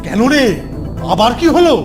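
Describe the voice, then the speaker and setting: A man's voice: very high voice, moderate pace. A man voicing a fussy, effusive middle-aged schoolmaster who repeats himself in a cartoon. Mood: puzzled, stern. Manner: fawning, repeats his words excitedly. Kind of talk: cartoon voice acting. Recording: music behind.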